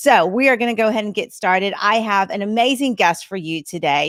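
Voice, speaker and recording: A woman talks at a fairly quick pace with an ordinary speaking voice. Her pitch sits in the medium range, and her intonation is lively. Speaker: podcast host. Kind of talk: show opening to audience. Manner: upbeat.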